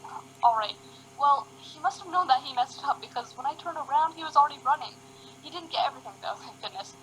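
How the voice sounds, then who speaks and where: A woman acts a casual, somewhat hesitant radio play character. Her voice is high, and the recording carries faint noise. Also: lively intonation, quick pace, fairly bright tone, poor audio. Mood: reluctant, irritated. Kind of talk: amateur radio drama acting.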